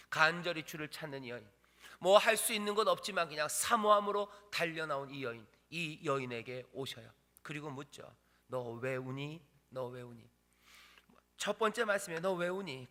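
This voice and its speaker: A male pastor preaches with a bright, forceful voice pitched a little high. He repeats his phrases for emphasis and swings from ringing declarations to soft, hushed lines. His voice carries a long reverb from a large church hall. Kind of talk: sermon. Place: church sanctuary.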